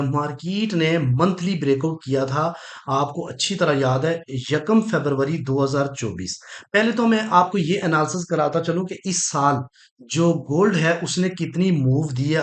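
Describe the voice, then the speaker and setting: A man's voice: a little high, reverberant. A man explaining market charts step by step, with many fillers and checking in with his viewers as he goes. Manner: explanatory, frequent fillers and "theek hai?" check-ins. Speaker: trading analyst. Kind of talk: market analysis walkthrough.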